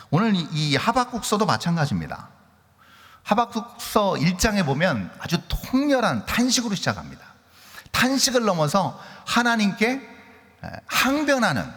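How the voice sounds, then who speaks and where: Male pastor preaching in a big church, lively swooping voice, long hall echo. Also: a little high. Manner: animated preaching, rhetorical questions, acting out complaints. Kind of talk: sermon. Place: church sanctuary.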